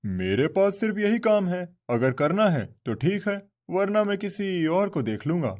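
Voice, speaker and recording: A man's voice: high voice, big pitch swings, normal speed, a little mellow, pitched above the performer's own voice. A man voicing a stern older village boss in a cartoon, talking in a bossy, scolding way. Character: stern older male fish-pond boss. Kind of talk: Hindi cartoon voice acting.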